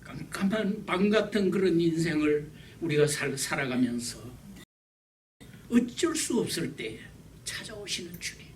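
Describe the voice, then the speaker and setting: A man's voice: fairly high pitch, animated, unhurried. Impassioned male pastor. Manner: emphatic, repetitive preaching with wide swings in loudness. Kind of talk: sermon. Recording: distant mic with faint background hiss.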